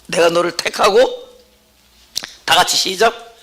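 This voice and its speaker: A man's voice: sits high, a little slow, pushed and bright. A man preaching a Sunday sermon as pastor at a church service, talking conversationally and often checking in with the congregation.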